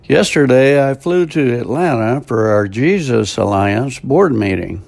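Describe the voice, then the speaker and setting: A man's voice: medium pitch, lively intonation, measured pace, gravelly, a little mellow. An older American man reading a short scripted devotional in a plainspoken, homespun way with dry self-mocking humor. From United States. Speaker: devotional radio host.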